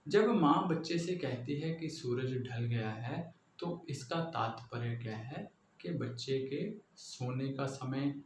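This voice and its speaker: A man from Punjab with a Punjabi accent gives a patient classroom lecture, explaining step by step and often checking that his listeners follow. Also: mid-range voice. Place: classroom with a board. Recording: echoey room, faint background noise.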